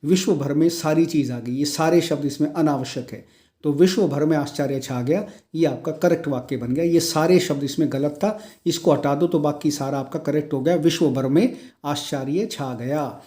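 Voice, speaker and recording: A male teacher giving an exam-prep grammar lesson, reading each sentence slowly and then explaining the correction. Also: a little high, warm tone. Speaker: Hindi teacher.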